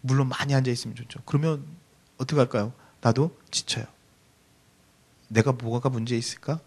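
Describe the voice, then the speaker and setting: Earnest soft-spoken man preaching. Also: mid-range voice, steady tone, fairly quick, breathy edge. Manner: earnest, pleading, often drops to a soft hush. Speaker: youth pastor. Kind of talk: sermon. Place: church hall.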